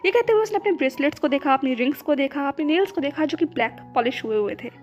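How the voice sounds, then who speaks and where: A woman narrating her own fan fiction story in a flowing, expressive way. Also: high-pitched, fast. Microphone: phone recording. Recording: dull lo-fi voice with background music.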